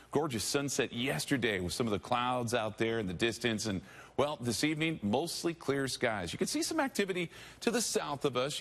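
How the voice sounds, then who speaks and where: A man's voice: mid-range voice, a bit bright. A man with an American accent giving a chatty, ad-libbed weather forecast on local television. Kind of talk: live weather commentary, chatty ad-lib.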